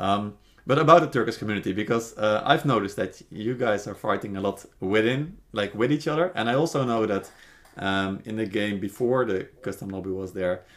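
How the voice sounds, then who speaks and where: This man talks at a fairly quick pace in a fairly low pitch with ordinary pitch variation and a plain, everyday voice. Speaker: tournament organizer and podcast host. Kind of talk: casual podcast conversation.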